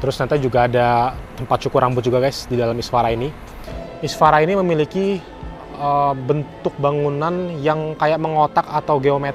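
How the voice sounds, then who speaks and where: Clear music plays in the background while a man speaks at a fairly quick pace. His pitch variation is ordinary and the sound is dry with no echo. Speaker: travel vlogger. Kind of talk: casual vlog chat. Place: street. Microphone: phone near.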